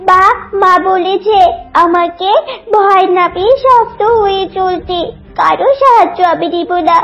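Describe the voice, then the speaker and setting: Very high-pitched little duckling girl. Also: unhurried, fairly bright tone, dull audio, heavily acted. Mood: defiant. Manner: childlike, plaintive, pleading. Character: timid little duckling girl, growing brave. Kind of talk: children's cartoon voice acting.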